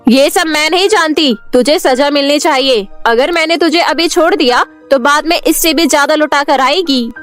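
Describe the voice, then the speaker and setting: A woman's voice: high-pitched, normal speed, few pauses, faint music behind. Woman voicing a cruel sneering aunt. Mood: angry. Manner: harsh, sneering, shouting. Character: cruel scolding middle-aged aunt. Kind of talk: cartoon story voice acting.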